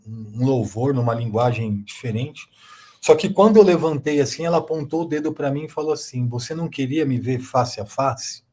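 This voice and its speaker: A man's voice: medium pitch, darkish tone, breathy edge. A Brazilian Portuguese-speaking man, a guest, telling a personal testimony in a rambling way with many fillers and repeated words.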